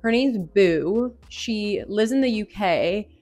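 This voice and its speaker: A woman's voice: medium pitch, lively intonation, takes it slowly, darkish tone, faint music behind. A young adult woman talks casually as a food vlogger hosting recipe reviews, informal and sprinkling in "like" as she goes. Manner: informal, frequent "like" as filler.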